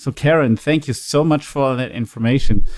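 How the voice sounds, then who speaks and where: A man speaks with a German accent and a dark, mellow tone. The sound is dry and close, with no echo. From Germany. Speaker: podcast host. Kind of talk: casual interview chat. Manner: speaking high in the head, not in chest.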